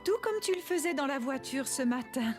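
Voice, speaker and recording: A woman's voice: high voice, lively intonation, normal speed, a little mellow, faint music behind. A woman playing an affectionate, encouraging young mother in a children's cartoon. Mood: proud, encouraging.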